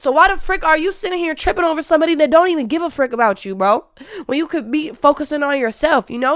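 A woman speaks with an American accent in a high voice. Her tone is animated and her intonation lively. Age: 20s. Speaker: YouTuber. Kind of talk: casual monologue vlog.

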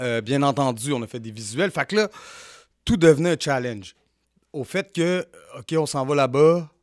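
Over a silent background in a very clean recording, a man with a medium-pitched voice speaks very slowly with ordinary pitch variation and a dry, close sound with no echo. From Quebec City. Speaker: rapper. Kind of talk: casual chat. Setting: barbershop.

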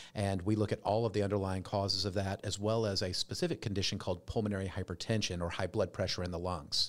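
Over a very clean recording with a silent background, a man talks at a very fast pace with hardly any pauses. His voice is fairly low in pitch, with monotone, flat intonation. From US South, south Georgia. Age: 50s. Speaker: cardiologist. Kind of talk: interview.

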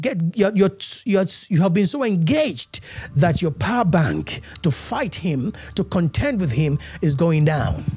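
A man talks at a moderate pace with a high pitch. His pitch swings very widely. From Nigeria, Rivers State. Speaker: pastor. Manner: emphatic and repetitive, stacking short punchy declarations.

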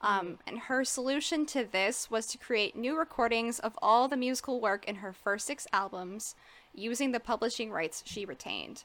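A woman talks in a plain, everyday voice, her fairly high pitch rising and falling with ordinary variation. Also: moderate pace. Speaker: podcast co-host. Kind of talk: casual chat.

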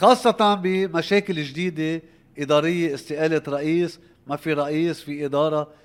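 A man talks in an unremarkable speaking voice. His pitch is fairly high, with ordinary pitch variation. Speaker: former basketball player. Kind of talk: casual interview.

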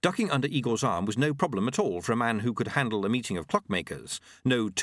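The reading comes in an unforced reading voice with lively intonation.

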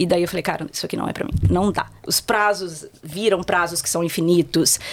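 Amid noticeable background noise, a woman talks at a fairly quick pace with ordinary pitch variation. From Minas Gerais, Brazil (Barbacena). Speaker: cleaning company manager, former lawyer. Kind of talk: casual interview.

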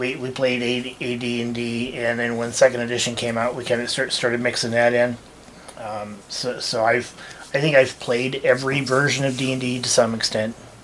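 The background noise is noticeable. A man speaks at a moderate pace in a medium pitch with monotone, flat intonation. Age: 50s. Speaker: podcast host and game master. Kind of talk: casual chat.

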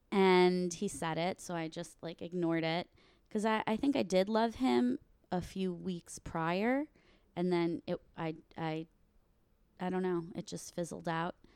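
In a dry, close recording with no echo, a woman speaks slowly-ish at a fairly slow pace, her fairly low pitch showing ordinary variation. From Westchester, New York. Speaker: teacher. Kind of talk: casual chat, interview.

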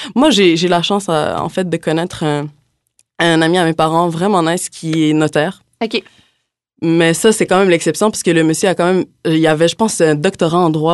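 A woman with a normal speaking voice, fairly low pitch, fairly even intonation and a moderate pace, in a dry, close sound with no echo. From Montreal, Quebec. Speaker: law student. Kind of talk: casual chat.

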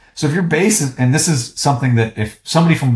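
A man with an American accent, somewhat breathy and fairly high in pitch, with lively intonation and a fairly quick pace. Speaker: podcast host and investor, former military pilot. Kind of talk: casual interview conversation.

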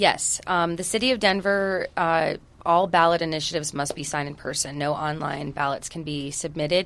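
Speaking at a fairly quick pace, this is an ordinary speaking voice with ordinary pitch variation. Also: woman, fairly low pitch for a woman, hardly any pauses. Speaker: cannabis initiative organizer. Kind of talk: casual interview chat.

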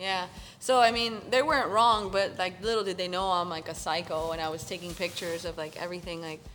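With music playing in the background, a woman speaks in a Miami accent at a medium pitch. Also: ordinary pitch variation, fairly quick pace. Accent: Miami accent, noticeable. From Miami, Florida.

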